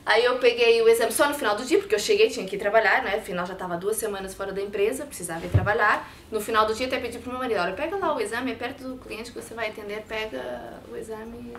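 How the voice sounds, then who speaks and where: Interview guest: woman, 30s, European Portuguese accent, expressive storyteller; lapel mic, slight room echo. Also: fairly high pitch, fast, few pauses, a little hiss or hum. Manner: expressive, talks with her hands. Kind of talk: personal story in a sit-down interview. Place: bright studio set with sofa and shelves.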